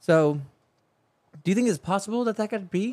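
A man talking at a very fast pace, his intonation lively. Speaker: podcast host and taco restaurant worker. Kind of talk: casual solo rambling monologue. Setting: small studio. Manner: rambling, conversational, jokey.

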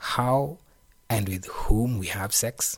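On a very clean recording with a silent background, a man speaks in a somewhat breathy voice with fairly even intonation. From Kenya. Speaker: podcast host. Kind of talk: personal storytelling.

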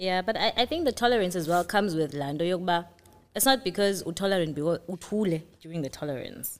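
Her fairly low voice races at a very fast pace with lively intonation. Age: young. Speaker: guest sharing personal relationship story. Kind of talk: casual interview chat. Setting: podcast studio.

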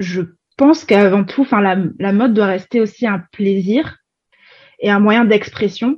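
Speaking at a fairly slow pace with long, frequent pauses, a woman uses a medium pitch, ordinary pitch variation and a somewhat breathy sound. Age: 20s. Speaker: ethical fashion consultant. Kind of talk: interview.

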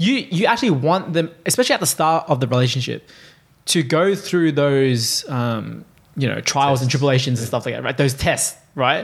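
Speaking at a fairly quick pace, a man with an Australian accent has a fairly high pitch. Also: ordinary pitch variation. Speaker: podcast host. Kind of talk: casual chat.

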